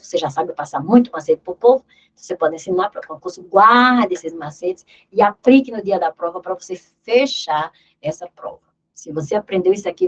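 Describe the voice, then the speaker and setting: A woman's voice: lowish voice, husky, rough recording. A woman teaching an exam review lesson in Portuguese grammar, emphatic and repeating key words as she drills terms aloud.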